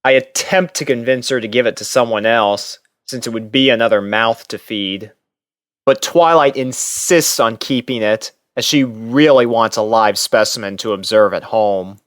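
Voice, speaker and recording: A man's voice: mid-range voice, moderate pace, a bit bright, no room sound, studio quality. A man reading scripted first-person fiction aloud as a story narrator. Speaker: narrator and reader.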